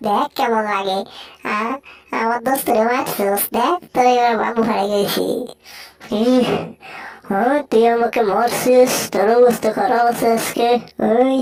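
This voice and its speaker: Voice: medium pitch, fairly even intonation, normal speed, darkish tone, far from the mic, natural voice. A performer voicing a hot-tempered male cartoon cat in a fan dub, grumbling threats and scolding. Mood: threatening.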